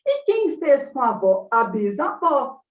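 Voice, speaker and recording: High, lively Brazilian woman, echoey. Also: measured pace. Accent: Brazilian Portuguese. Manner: animated explaining, acts out mothers' baby talk. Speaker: psychologist. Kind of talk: live talk on child development. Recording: roomy sound, distant from the mic.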